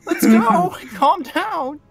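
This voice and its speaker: A tabletop game player with a husky voice, chatting casually in slangy banter with friends. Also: high-pitched, animated, very slow. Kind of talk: casual slangy gamer chat.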